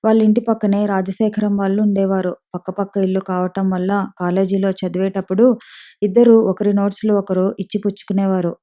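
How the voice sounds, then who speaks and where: A woman narrating a story for an audiobook in a calm, measured reading. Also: medium pitch.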